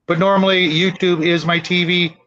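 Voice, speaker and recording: High-voiced man hosting, slightly muffled audio. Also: little pitch movement, normal speed, pushed and bright. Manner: hesitant, repeats words. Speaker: show host. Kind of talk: casual chat, livestream sign-off. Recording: dull, lo-fi livestream audio.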